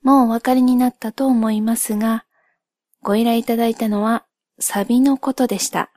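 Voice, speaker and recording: A woman speaking softly in a gentle, polite and measured way, as in a calm ASMR-like explanatory monologue by a solo host. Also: on the high side, no room sound, studio quality. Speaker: host of a solo spoken channel.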